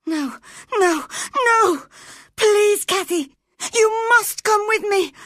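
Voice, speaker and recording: A woman voicing a frail, terrified teenage boy who sobs and pleads in a high, shrill voice. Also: slow pace, fairly bright tone, no room sound, clean studio sound, full character voice. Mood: panicked.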